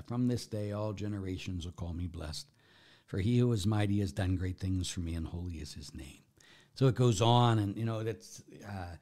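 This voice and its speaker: A man's voice: lowish voice, a little mellow. A man speaking as a Catholic priest, giving informal religious teaching and answering questions in a conversational, emphatic way, often checking in with listeners.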